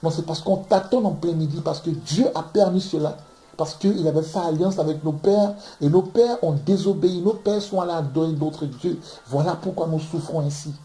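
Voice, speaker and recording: In an echoey room in London, an Ivorian man gives impassioned scripture teaching at a moderate pace. His mellow voice sits on the high side, and his emphatic delivery often loops back on words while he searches for what to say.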